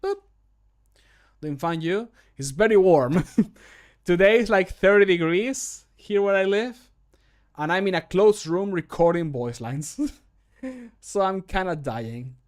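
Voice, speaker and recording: A man's voice: high voice, slow, pauses often. A man in his thirties chatting casually on a livestream, rambling and easily sidetracked, recorded at a desk microphone in a small room. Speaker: livestreamer and mod maker. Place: small closed room at home. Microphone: microphone at a desk, streaming.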